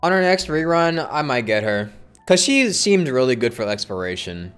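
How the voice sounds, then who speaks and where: A man's voice: medium pitch, big pitch swings, moderate pace, a bit bright, clean tone. A man livestreaming a game, talking casually and thinking aloud, often repeating his phrases as he rambles. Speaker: live game streamer. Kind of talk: casual livestream chat while playing a game. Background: game music.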